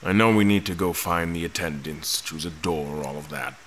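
An actor playing a grave, courteous gentleman admiral in an audio drama, speaking formally and with measured care. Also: deep voice, slight background noise. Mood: grateful, polite.

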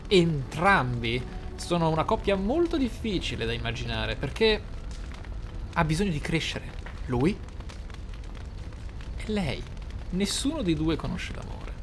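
Male let's player, amused and reflective, chatting casually through a role-play game with clear music underneath. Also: a little high, lively intonation, a little slow, pauses often, a bit bright.

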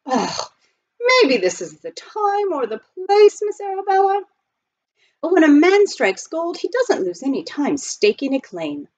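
A woman voicing a polite, earnest butler turned gold miner with a formal, halting delivery in a storybook reading. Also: high voice, wildly swooping pitch, darkish tone, highs cut off, slight background noise, pitched above the performer's own voice. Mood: flustered, earnest.

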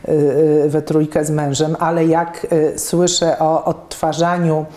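A woman's voice: deep voice, flat delivery, unhurried, dark tone, echoey room. A woman in her fifties interviewing a guest, talking thoughtfully with many fillers and restarts. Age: 50s. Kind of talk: conversational interview. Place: office room with plants and bookshelves.

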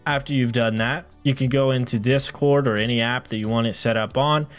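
A man in his thirties hosting a software tutorial, explaining things methodically step by step in an instructional style. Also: mid-range voice, fairly even intonation, brisk. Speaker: tutorial host. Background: background music.

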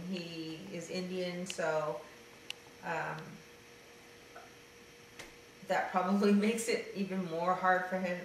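A middle-aged trans man with a slightly raspy voice, talking hesitantly to his video diary with many fillers, then reading a letter aloud. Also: high voice, fairly bright tone. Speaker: vlogger. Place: dim room indoors, seated in an armchair. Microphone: camera mic at a distance. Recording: echoey room from far off, faint hiss.

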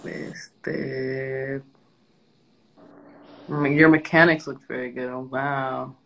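A woman's voice: a bass voice, drawn-out words, creaky. A woman in her thirties chatting casually on a phone live stream, reading out comments with loose, hesitant phrasing and switching between Spanish and English. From half Argentinian. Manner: relaxed, hesitant, many fillers, mixing Spanish and English. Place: small room indoors. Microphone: phone front camera, close.

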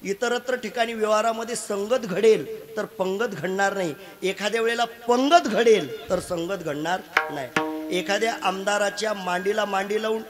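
High-voiced man preaching a lively kirtan. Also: moderate pace. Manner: humorous preaching with repeated sayings and laughing asides. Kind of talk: devotional kirtan sermon. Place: live kirtan gathering before an audience. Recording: live recording with crowd sound. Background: listening audience.

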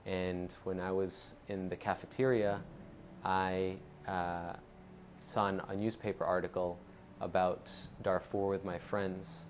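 Young man, deep flat earnest voice. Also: a little hiss or hum. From Ecuador. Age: young adult. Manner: earnest, steady storytelling with some fillers. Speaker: founder of an anti-genocide network. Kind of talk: telling his life story to camera. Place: studio with dark backdrop.

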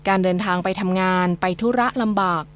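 A woman's voice: mid-range voice, fairly even intonation, fairly quick. A woman reading scripted news as a radio newsreader.

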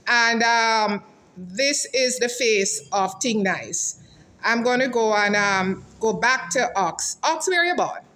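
A woman vlogger interviewing restaurant staff in a casual, teasing way, asking lively questions. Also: fairly high pitch, takes it slowly. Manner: chatty, teasing, animated questions. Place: restaurant seating area, indoors.

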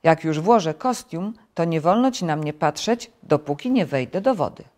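A woman's voice: low voice, animated, normal speed, darkish tone. A woman voicing a fussy, easily upset male toad who complains emphatically.

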